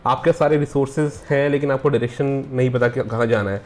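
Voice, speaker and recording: A man's voice: mid-range voice, fairly even intonation, quick pace. A man hosting an interview, asking long rambling questions full of fillers and switching into English mid-sentence. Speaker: interviewer, show host. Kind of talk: casual interview conversation.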